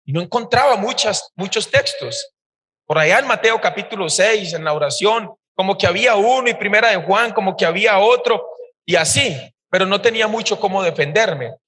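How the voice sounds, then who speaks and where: A male pastor tells his own testimony in a sermon, in an animated, emphatic storytelling manner. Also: high voice, a little fast. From Costa Rica. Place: church service hall. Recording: reverberant church hall.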